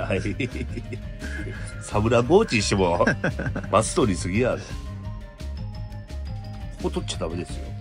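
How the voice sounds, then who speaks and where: A man talks at a fairly quick pace but with long, frequent pauses. Light background noise is present. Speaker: part-time worker. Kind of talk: casual documentary conversation. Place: home room. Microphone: phone near.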